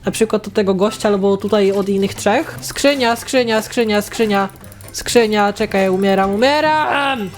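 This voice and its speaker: A young woman hosting a gaming channel, giving excitable casual commentary as she plays, swearing at the game and talking to her viewers. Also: medium pitch, normal speed, soft background music.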